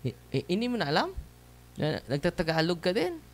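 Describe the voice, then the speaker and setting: A man's voice: high voice, huge pitch swings, a little fast, soft background music. A man, a Catholic priest, giving a conversational testimony sermon to a seated audience, often tossing tag questions back at them. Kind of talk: preaching testimony to a live audience. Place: church or hall with seated audience.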